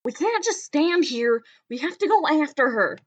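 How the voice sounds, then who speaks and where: A woman's voice: high-pitched, animated, moderate pace. A woman playing an earnest, action-ready character in an audio drama. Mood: earnest, urgent. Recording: dull, lo-fi home microphone.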